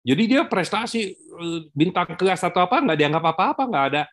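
Halting man talking about parenting. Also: high-pitched, animated, a bit bright. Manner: halting, many filler pauses and restarts; mixes in English terms. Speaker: guest speaker on parenting. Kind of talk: conversational talk-show discussion.

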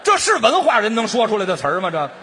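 A middle-aged man as the comic foil in crosstalk comedy, firing off quick retorts and exasperated exclamations. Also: high voice, huge pitch swings, bright, forceful tone, slight background noise. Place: theater stage with live audience.

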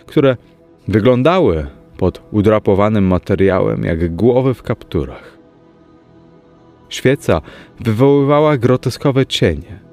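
A man reading a ghost story aloud as a measured audiobook narrator, dropping to a hush in places. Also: on the low side. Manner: slow, measured storytelling with hushed dips. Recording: faint music underneath.

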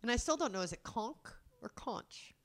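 A woman in her thirties co-hosting a podcast, telling stories casually with wry, deadpan quips. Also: a little high, normal speed. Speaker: podcast co-host. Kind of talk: casual chat.

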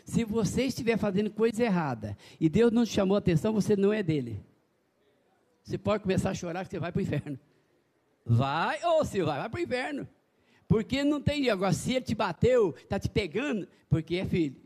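Man, pastor, high voice, folksy animated sermon. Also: fairly quick. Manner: folksy, animated preaching with calls to the congregation. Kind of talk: evangelical sermon.

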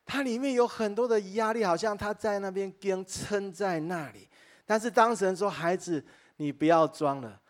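Earnest higher-pitched male pastor preaching. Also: moderate pace. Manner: earnest storytelling, frequent exclamations of wonder; addresses listeners directly and warmly as dear friends. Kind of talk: sermon. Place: church, preaching to a live congregation.

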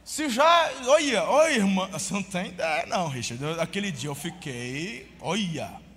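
Animated high-voiced pastor preaching in a hall. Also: male voice, moderate pace, a little hiss or hum. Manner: animated storytelling, shouting at peaks, addresses listeners as brother. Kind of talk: sermon.

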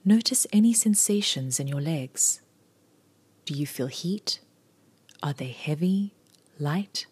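A woman leading a scripted guided body scan meditation in a breathy near-whisper, giving soothing, unhurried instructions in short phrases. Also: sits low, animated, a little mellow.

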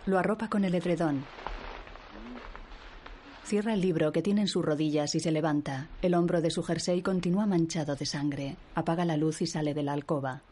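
Casting: low-voiced woman, even audio description narration, faint noise. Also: moderate pace.

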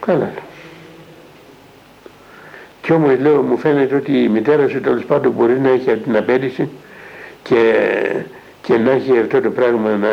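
A man's voice: mid-range voice, vocal fry. An older man, an elder monk, retelling a conversation in a spiritual talk and tagging each line with "I say" and "he says". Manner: recounts dialogue, with constant "I say, he says" tags. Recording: dull lo-fi radio broadcast recording.

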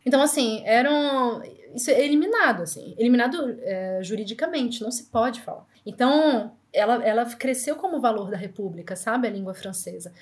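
Brazilian woman in her 30s telling stories quick and lively, voice a bit high. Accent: Brazilian Portuguese. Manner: lively, fast-talking anecdotes. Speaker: interviewee. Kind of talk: casual storytelling.

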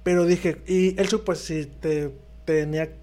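Laid-back young Mexican man, fairly high voice. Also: fairly even intonation, a little slow, darkish tone. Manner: laid-back, slangy, short agreeing replies. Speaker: podcast co-host. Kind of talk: casual chat.

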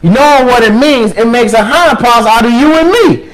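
A man with a high voice co-hosts a relaxed chat. He talks in an animated way, laughs often, and repeats words as he restarts his sentences. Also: moderate pace, over a noisy crowd, low-quality recording. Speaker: co-host. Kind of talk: casual chat.

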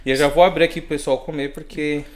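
A man's voice: fairly high pitch, fairly even intonation, quick pace. Joking Brazilian man hosting a podcast. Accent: Brazilian Portuguese. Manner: jokey, laughs often. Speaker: podcast host. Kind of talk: casual live podcast chat.

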